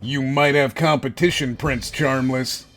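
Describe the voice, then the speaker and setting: Man acting a confident big warrior, mid-pitched. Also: steady tone, measured pace, fairly bright tone, soft background music. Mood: teasing. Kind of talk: fan audio drama acting.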